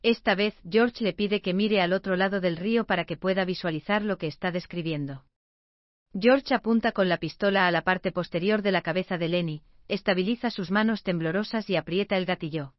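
A woman reading a book summary as scripted narration, in an even, measured way. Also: lowish voice, dry recording, lo-fi sound.

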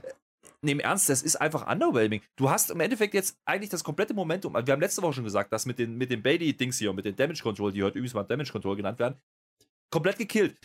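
This German podcast co-host talks very fast in a mid-range voice with few pauses while reviewing wrestling. He chats casually but grows animated, often ranting with plenty of fillers.

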